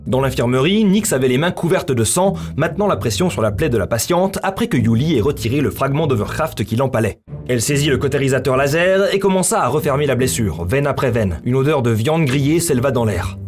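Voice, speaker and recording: A male narrator reads scripted science-fiction storytelling. His voice sits at an average pitch for a man. Faint music runs behind the narration. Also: lively intonation, fairly quick, a little mellow. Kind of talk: scripted narration of a sci-fi visual novel.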